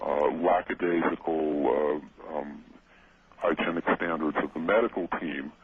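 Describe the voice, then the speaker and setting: A man on a radio call-in, his voice run through a voice changer, speaking haltingly and often restarting his words. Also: rumbling low, fairly even intonation. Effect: voice changer disguising his voice. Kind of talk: radio interview. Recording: tinny phone line with loud hiss.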